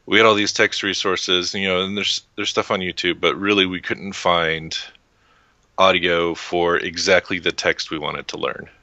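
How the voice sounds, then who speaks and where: Texan man, very low and bright voice, hesitant casual guest, dry muffled recording. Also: flat delivery, normal speed, no room sound. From Texas, USA. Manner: hesitant, many "um" and restarts, laughs lightly. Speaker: guest, website founder. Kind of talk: casual interview. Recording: dull lo-fi dry sound.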